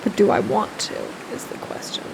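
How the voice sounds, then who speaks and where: A woman's voice: moderate pace, noisy background. A woman from the United States streaming a survival game, chatting casually and answering her chat by name with frequent laughs. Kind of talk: casual gameplay chat with chat readers.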